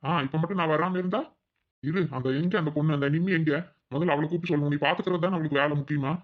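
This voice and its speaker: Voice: mid-range voice, fairly even intonation, quick pace, narrow, tinny audio, lightly acted. A performer voicing a caring young village husband in a cartoon who fusses and nags out of concern. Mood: fussing. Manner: fussing, nagging with concern. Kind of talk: cartoon voice acting.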